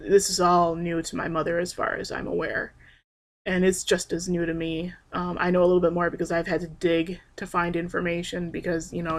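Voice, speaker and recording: A young trans man rambling in a personal video diary, hesitant and soft-spoken with frequent pauses and restarts. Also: sits high. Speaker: vlogger.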